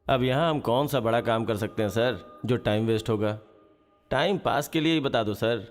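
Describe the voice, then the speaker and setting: A man's voice: mid-range voice, normal speed, big-room sound, close to an everyday voice. An actor playing a young male prison inmate who keeps politely calling the other man sir. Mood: curious. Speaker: fellow prisoner. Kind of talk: low-budget film acting.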